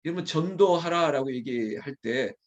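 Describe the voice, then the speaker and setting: A man, a pastor, preaching an early morning prayer sermon in a candid, conversational way, teasing and scolding his small congregation, then quickly apologizing. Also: fairly high pitch, lively intonation, darkish tone.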